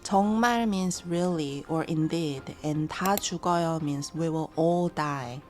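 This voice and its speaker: A woman whose first language is Korean explains phrases calmly and methodically, one word at a time, as a language teacher. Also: low voice, brisk, faint music behind.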